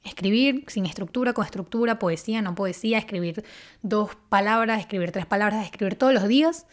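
A woman's voice: mid-range voice, fairly quick. Earnest young woman. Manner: earnest, conversational, laughs softly between points. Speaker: video host. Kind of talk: casual self-help talk to camera.

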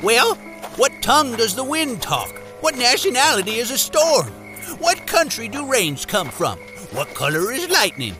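An eccentric travelling peddler in a podcast drama, full of lecherous boasts and theatrical muttering. The pitch is high and very lively, with music behind. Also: male voice, normal speed. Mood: ranting. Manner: rambling, theatrical rhetorical monologue, chuckling to himself.

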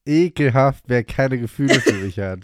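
A man's voice: medium pitch, moderate pace, no echo, studio quality. A young man co-hosting a casual podcast, teasing and joking with slangy remarks. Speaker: podcast co-host. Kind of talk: casual chat.

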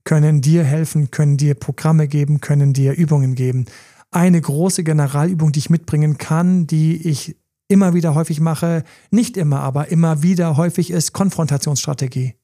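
A middle-aged man with a fairly high, mellow voice hosts a casual podcast as a coach. He tells stories with animated energy and acts out little inner voices as he goes. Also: fairly quick. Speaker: relationship coach and podcast host.

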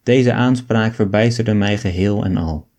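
A man reading an old novel aloud as an audiobook, in a measured storytelling way. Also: on the low side, a little mellow. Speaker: audiobook reader.

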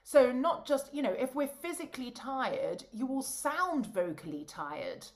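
A woman, an opera singer and voice coach, chatting in a bubbly, animated way and laughing often over a video call. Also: high-pitched, unhurried. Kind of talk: casual chat.

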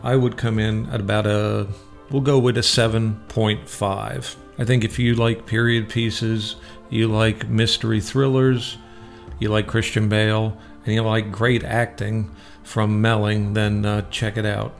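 A man's voice: lowish voice, little pitch movement, measured pace, vocal fry, faint music behind. A man hosting a radio show, giving casual, opinionated film reviews in a conversational way.

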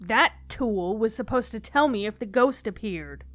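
A woman's voice: a little high, expressive, moderate pace, a bit bright. An exasperated young ghost hunter, as a woman plays her. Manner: exasperated, snappy.

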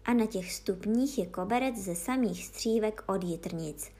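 A woman's voice: medium pitch, darkish tone, close to an everyday voice. A woman voicing an old female dog fairy who tells tales in a savouring, storytelling manner.

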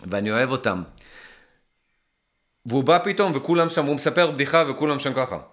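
A man from Israel talking straight to his viewers in a loose, thinking-aloud monologue. His voice is bright and forward at an ordinary middle pitch. He trails off and restarts often, then pushes his points with animated emphasis. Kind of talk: casual rambling monologue.

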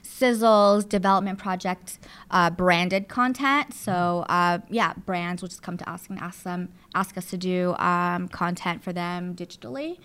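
This interview guest, a thirtysomething producer and studio owner who was born in the Philippines and grew up in Southern California, talks casually with lots of fillers and tangents. Her voice is lowish, smooth, and fairly bright, with a measured pace.

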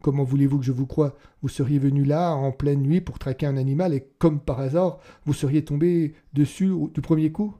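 A man's voice: medium pitch, steady tone, brisk, dark tone, slightly rough. A man voicing an irritated, insistent police lieutenant who presses hard in an interrogation. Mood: impatient.

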